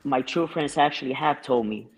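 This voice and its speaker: Guy with a gravelly voice chatting as a guest, rambly, lots of restarts. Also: mid-range voice, normal speed, faint music behind, poor audio. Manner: rambling, with frequent restarts and fillers. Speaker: guest musician. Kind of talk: casual interview chat.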